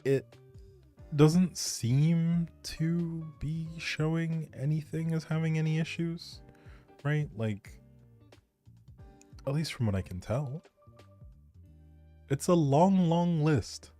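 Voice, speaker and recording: A man's voice: fairly high pitch, takes it slowly, pauses often, dark tone, soft background music. A man chatting casually and thinking aloud on a gaming livestream, easygoing and polite. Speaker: video game livestreamer.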